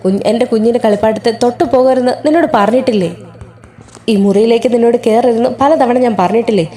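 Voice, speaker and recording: A woman voicing an angry young mother who scolds harshly in a sharp, contemptuous tone. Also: fairly high pitch, fast, lightly acted.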